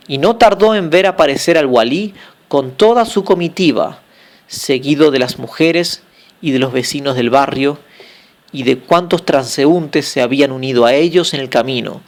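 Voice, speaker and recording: A man reading a classic tale aloud as an audiobook, phrase by phrase at a steady pace, with small slips. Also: a little high, creaky. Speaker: audiobook narrator.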